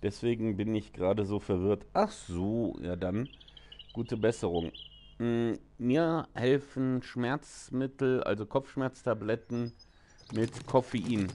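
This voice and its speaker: A man talks at a very slow pace in a dark, mellow tone with ordinary pitch variation. Light background noise is audible. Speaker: gaming streamer. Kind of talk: casual live game stream chat. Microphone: headset.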